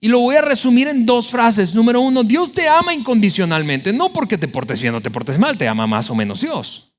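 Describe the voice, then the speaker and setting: Male pastor, high voice, animated sermon delivery with acted-out quotes. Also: fairly quick.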